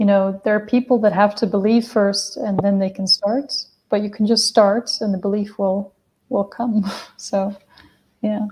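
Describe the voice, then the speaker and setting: At a moderate pace, this woman speaks at a medium pitch with a dark, mellow tone, a somewhat breathy quality and fairly even intonation. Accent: Dutch. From Belgium, Dutch-speaking part (Flanders). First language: Dutch. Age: 20s. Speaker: business coach. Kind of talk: interview.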